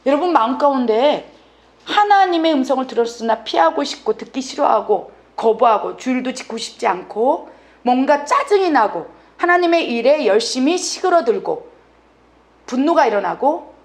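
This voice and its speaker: High-voiced, fervent woman preacher. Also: sing-song, moderate pace. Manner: fervent, dramatic preaching with sudden soft drops. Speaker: missionary pastor. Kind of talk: sermon.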